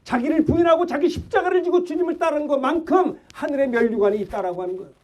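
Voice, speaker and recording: A middle-aged male pastor preaching a fervent Sunday sermon, shouting and exhorting with rhetorical questions. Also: extremely high pitch, quick pace, muffled recording.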